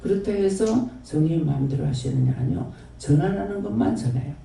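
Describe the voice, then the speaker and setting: A man with a Gyeongsang accent preaches in a loose, folksy way, circling back over his points. His voice is very dark and gravelly, and it comes from a distance and rings through a big, echoing church hall. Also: on the high side, huge pitch swings, fairly quick, a little hiss or hum. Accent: Gyeongsang Korean. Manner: rambling, repetitive, folksy. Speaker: pastor. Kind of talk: sermon and closing prayer. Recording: very echoey hall, distant mic.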